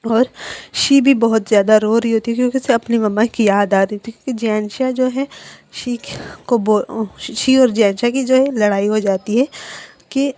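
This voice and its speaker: A woman casually retelling a story, pausing on fillers and correcting herself as she goes. Her voice is fairly high but soft and mellow. The recording is dry and close. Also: steady tone, no echo. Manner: conversational, with filler pauses and self-corrections. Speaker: story narrator.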